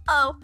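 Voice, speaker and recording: A woman playing a chirpy young woman in an audio drama, enthusiastic and earnest about old monster lore. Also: pushed and bright.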